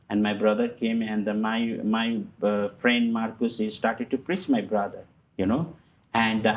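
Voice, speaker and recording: A middle-aged man, a guest telling his personal story in halting, full of fillers and restarts. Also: on the low side, darkish tone, low-quality recording. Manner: halting non-native English with many fillers and restarts. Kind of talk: personal testimony in conversation.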